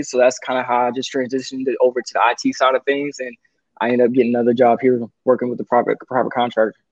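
At a very fast pace, a man talks with monotone, flat intonation. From US South, Fayetteville, North Carolina. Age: 20s. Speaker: IT professional and army reservist. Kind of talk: interview.

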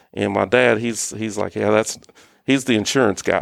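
A man's voice with vocal fry. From Jonesborough, East Tennessee. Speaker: insurance agency owner. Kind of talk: interview.

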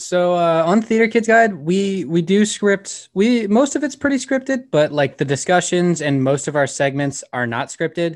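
Hardly pausing at all, a man talks at a high pitch with very wide pitch swings. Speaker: podcast host. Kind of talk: casual chat. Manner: energetic, faster talker for intros.

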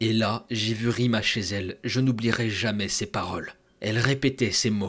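The tone is solemn. Pitch varies in an ordinary way. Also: man. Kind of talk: true-crime narration. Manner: solemn, grave storytelling with emotional pity; measured, vivid, dramatic retelling.

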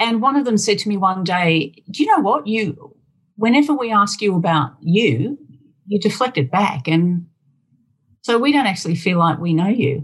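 Her medium-pitched voice is somewhat breathy, and this woman's pitch swings very widely. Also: moderate pace. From South Africa. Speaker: radio journalist and presenter. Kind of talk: casual interview chat.

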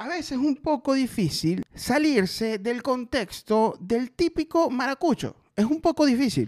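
Recorded very cleanly against a silent background, the speaker uses an animated tone at a fairly slow pace. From Venezuela, Maracaibo. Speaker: podcast host and stand-up comedian. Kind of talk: casual monologue.

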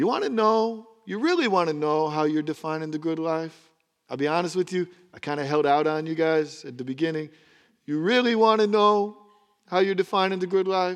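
A man speaks with an American accent in a high voice. His pace is fairly quick, and his pitch varies in an ordinary way. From Chicago, US Midwest. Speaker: pastor. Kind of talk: sermon.

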